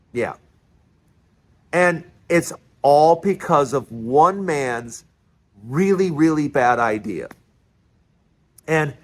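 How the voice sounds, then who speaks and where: An older man in his sixties holds forth in a passionate monologue. His voice sits a little high for a man. He stumbles over words and repeats them as he presses his point. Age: 60s. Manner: emphatic, repeats words, restarts often. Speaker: commentary host.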